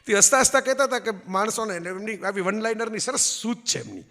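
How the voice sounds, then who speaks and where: A man's voice: sits high, fast, sharp tone, in a large hall. A man giving a public speech to an audience, telling anecdotes and checking in with listeners. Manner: storytelling, acts out quoted voices, asks audience "barabar?". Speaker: public speaker. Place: event hall before an audience.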